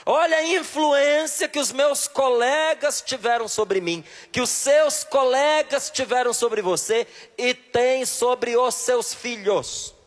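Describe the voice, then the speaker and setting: A man's voice: very high-pitched, slow pace. A man from Brasília with a Brasília accent, preaching a sermon and questioning a live audience directly and emphatically. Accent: Brasília Portuguese. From Brazil, Brasília. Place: large hall with a live audience. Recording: long reverb of a large hall.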